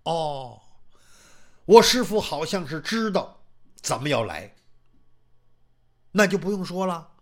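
A male storyteller narrating a martial arts tale in a lively, chatty manner with many asides. His voice is high and bright, and its pitch rises and falls with animation. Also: slow pace, pauses often. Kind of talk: traditional oral storytelling.

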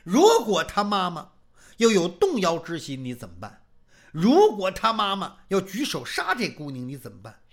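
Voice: medium pitch, wildly swooping pitch, moderate pace. A traditional storyteller, performing animatedly and asking the listeners rhetorical questions.

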